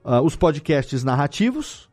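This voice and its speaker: Casting: male Brazilian podcast host, slightly high voice, emphatic and colloquial, conversational interview delivery. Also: sing-song, measured pace, darkish tone, soft background music.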